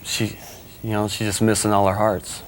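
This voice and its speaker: A man as a guest on a talk show, speaking haltingly and plainly with many pauses. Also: lowish voice, monotone, slight background noise. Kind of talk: emotional interview answers. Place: television studio.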